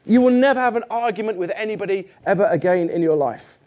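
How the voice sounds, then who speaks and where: A man's voice: high voice, expressive, fast, darkish tone. A middle-aged man preaching a sermon in a church, conversational and self-deprecating, putting questions to the congregation.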